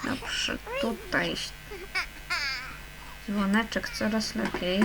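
A woman's voice: medium pitch, very animated, very slow, gravelly. A young woman hosting a gaming channel, chatting casually over her play and fondly coaxing the little characters along. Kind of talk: casual let's-play commentary.

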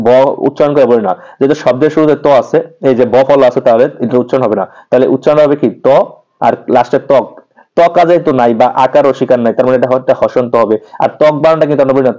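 A man's voice: medium pitch, warm tone. A male teacher hurries through an exam-prep grammar lesson, saying each example word over and over and quizzing the class before answering himself. He tosses English words into his speech, and the recording sounds dull and lo-fi. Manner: repeats example words aloud, asks and answers his own questions; casually mixes in English words.

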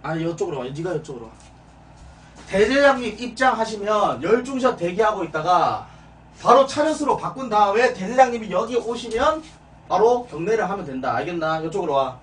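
A man's voice: sits high, very animated, a little fast, fairly bright tone, a little hiss or hum. A young man acting as a drill sergeant in a streamed comic military training, giving commands and stern corrections in a small room. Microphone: room mic a few steps away. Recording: distant room mic, music underneath.

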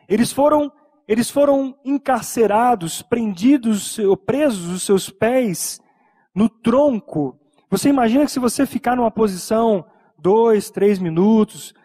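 A man's voice: sits high, mellow. A middle-aged Brazilian man preaching a sermon from a church stage into a handheld microphone, stretching out words for emphasis. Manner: preaching with emphatic, drawn-out phrases. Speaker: pastor. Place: church stage, large indoor hall. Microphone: handheld mic.

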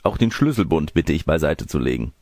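Ein Mann spricht einen lüsternen, schwülstigen bösen Zauberer in einem Märchen, schmeichelnd und durchtrieben. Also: male voice, very deep voice, big pitch swings, fairly quick, darkish tone, dry recording, clean studio sound, exaggerated voice. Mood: mock polite. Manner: florid, gushing, sly. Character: lecherous, pompous male evil sorcerer seducer.

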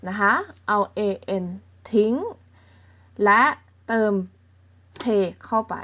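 A woman's voice: mid-range voice, steady tone. A woman teaching a beginner language lesson, explaining patiently step by step and often checking in with her listeners. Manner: patient, explains slowly and checks in with softening particles.

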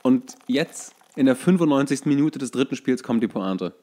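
A man's voice: mid-range voice, animated, normal speed, warm tone. A man co-hosting a casual football chat, explaining his views and thinking aloud as he goes. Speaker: podcast co-host.

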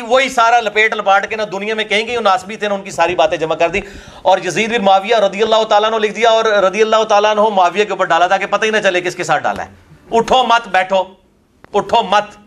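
Speaking with a Pakistani Urdu accent and a high-pitched voice, a man delivers a polemical question-and-answer lecture as a scholar at an academy. He is emphatic and scornful, stacking up points to demolish a rival's claims.

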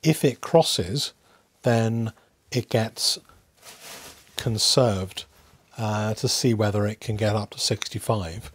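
A man hosting a hobby video in a casual, unscripted way, musing aloud with hesitant pauses. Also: lowish voice, husky, dry recording. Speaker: host of a coin collecting channel.

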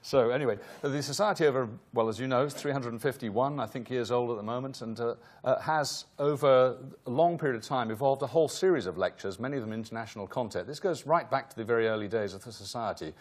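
A man's voice: mid-range voice, fast, hardly any pauses. A man welcoming an audience to a lecture in a hall, rambling a little with fillers and self-corrections. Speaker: host introducing a lecture. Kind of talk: formal welcome and housekeeping.

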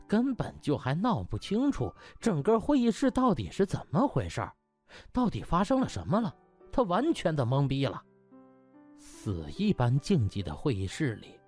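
A man's voice: a little high, a little mellow, husky. A man narrating a comic novel in a theatrical, colloquial storytelling manner. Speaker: audiobook narrator.

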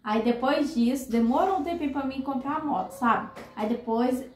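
A woman's voice: sits high, normal speed, reverberant, background noise. A woman in her thirties with a Brazilian Portuguese accent, hosting a crochet channel and telling a personal story in a chatty, emotional way to her viewers.

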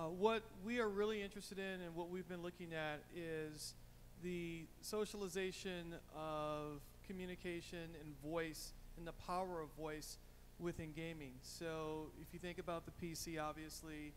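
A man's voice: a little high, flat delivery, normal speed. A middle-aged man giving a conference presentation as an industry speaker, talking into a handheld microphone. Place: medium conference room, indoors. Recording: reverberant conference room, clear background noise.

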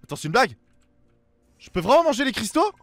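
A young man giving excited let's play commentary, exclaiming and talking to himself as he reacts. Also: extremely high pitch, fast talker, no room sound, faint music behind. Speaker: gaming video host.

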